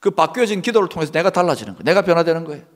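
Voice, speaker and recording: A middle-aged male pastor delivers a sermon in a high, sweeping voice that leaps up when he acts out pleading prayers and falls to a near whisper. His words ring with the long reverb of a church hall. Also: expressive, racing.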